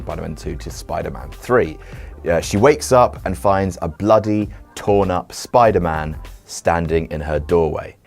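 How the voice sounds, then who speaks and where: A young man giving scripted film commentary, excitable and sarcastic, swearing casually. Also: sits low.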